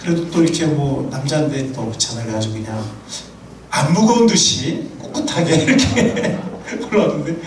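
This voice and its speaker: A male pastor preaching a sermon in a church, animated and humorous, telling personal anecdotes. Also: on the high side, fairly quick, slight background noise. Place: church sanctuary. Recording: echoey hall from far off.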